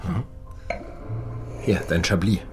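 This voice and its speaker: Radio play role: a mysterious, unruffled bartender, very low voice, few words, matter-of-fact. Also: male voice, sing-song, slow, music in the background, full character voice. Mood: calm, laconic. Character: laid-back, enigmatic male barkeeper of a dreamlike bar. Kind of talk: naturalistic radio drama acting.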